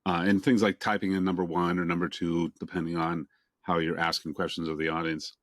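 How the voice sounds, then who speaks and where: A man with a deep voice hosts an interview over a video call. He sounds relaxed and jokes now and then, and his questions run long. The sound is dry and close. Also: a little fast, no room sound. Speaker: interview host. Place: home office in Boston. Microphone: camera on a video call.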